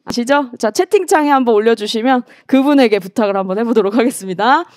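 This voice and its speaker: A woman evangelist preaching to a youth group in a lively storytelling style, asking questions and calling the teens by name. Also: fairly high pitch, fast talker, dry recording, studio quality. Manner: lively storytelling, acts out scripture quotes; asks the teens questions and calls them by name. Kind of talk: youth sermon over video call.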